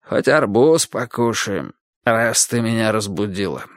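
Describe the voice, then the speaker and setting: Grumpy sleepy husband, husky voice, man, irritable; male reader doing the voice. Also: fairly low pitch, expressive, measured pace, dry recording, clean studio sound. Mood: grumbling. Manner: irritable, then placating. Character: hoarse sleepy grumpy husband just woken.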